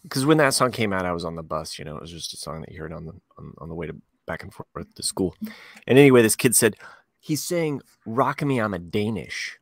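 A man's voice: sits low, expressive, fairly quick, dry recording, clean studio sound. A man chatting casually with friends, rambling and restarting his sentences. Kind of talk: casual group chat.

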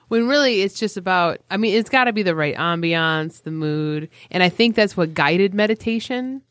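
A woman's voice: on the low side, lively intonation, moderate pace, no echo, studio quality. A woman co-hosting a podcast, talking in a chatty, casual way with some swearing and playful teasing. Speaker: podcast co-host. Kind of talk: casual chat.

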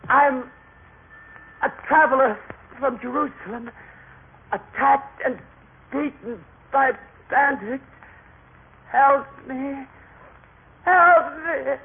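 A man's voice: very high-pitched, slow pace, vocal fry, pauses often, heavily acted. An actor in a radio drama playing a wounded, weakened traveler who pleads desperately through his pain. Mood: urgent pleading. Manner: pleading, imploring, melodramatic. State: weak, in pain, crying out. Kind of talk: old-time radio drama acting. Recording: tinny, noisy old radio recording.

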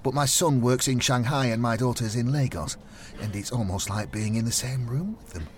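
A man voicing a kindly, chatty white-haired older mother in a story, gentle and sweet. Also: mid-range voice, moderate pace, slight background noise, voice pushed up, natural voice. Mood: friendly.

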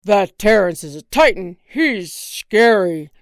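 A woman's voice: lowish voice, lively intonation, a little slow, no echo, clean studio sound. A woman voicing a nervous, complaining middle-aged husband who wants to go home. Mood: fretful. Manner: whiny, complaining, reluctant.

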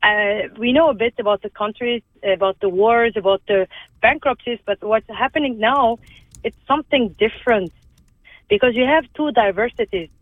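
A woman's voice: a little high, no echo. Woman over a phone line. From Lebanon. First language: Armenian. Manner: earnest, halting, with many restarts. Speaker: guest. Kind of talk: conversational interview.

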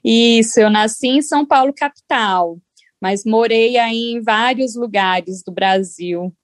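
A woman's voice: a little high, a little slow, no room sound, studio quality. A woman from Brazil with a Brazilian accent, chatting casually as an interview guest and often seeking agreement. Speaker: podcast guest.

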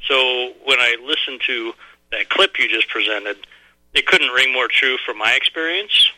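A man's voice: mid-range voice, unhurried, bright, forceful tone, dry recording, rough recording. A man in his forties calling in to a radio talk show, earnest and a little rambling. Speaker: caller. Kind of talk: phone-in call to a radio show.

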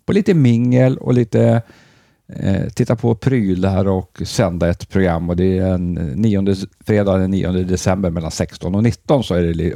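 A man's voice: low voice, creaky, warm tone, no room sound, clean studio sound. A man hosting a radio show, chatting casually and hesitating with many filler sounds.

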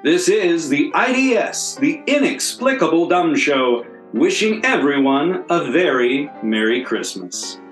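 A man reads as an old-time radio announcer. The delivery is unhurried and animated, in a roomy echo. Soft guitar music plays behind. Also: on the high side.

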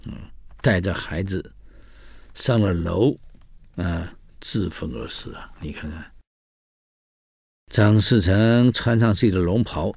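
A man telling history in a casual storytelling style, animated, acting out the quoted dialogue, with many fillers. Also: low-pitched, gravelly, dry recording, clean studio sound.

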